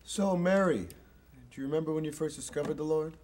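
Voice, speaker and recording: An actor playing a smug, preachy young gay boyfriend with a condescending manner, on a studio set. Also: male voice, a little high, fairly quick, darkish tone, slight background noise, lightly acted. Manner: condescending, sanctimonious. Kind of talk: sitcom acting.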